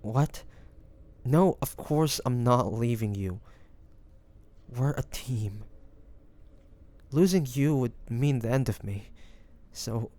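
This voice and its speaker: A man playing a devoted, anguished young man in an intimate fantasy romance audio drama, speaking haltingly and emotionally with pauses and sighs. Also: medium pitch, mellow, close to an everyday voice. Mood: fervent, pained.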